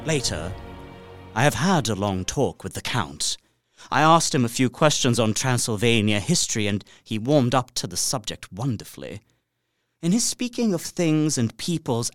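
An actor as an uneasy, animated young gentleman diarist. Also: medium pitch, moderate pace, dry recording, clean studio sound, faint music behind, lightly acted. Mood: wary, anxious. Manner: formal, dramatic, anxious. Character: uneasy young English solicitor writing his journal. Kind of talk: dramatised journal narration in an audio drama.

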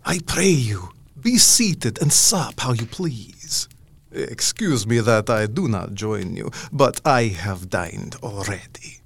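An actor playing a tall old vampire count in an audio drama, husky, formal and stately in his courtesy. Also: lowish voice, animated, slow pace, exaggerated voice. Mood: courteous, insistent.

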